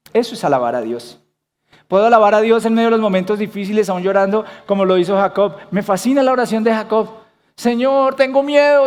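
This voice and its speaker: A man's voice: sits high, a little mellow, big-room sound. A man preaching a sermon as pastor, earnest, asking the congregation questions.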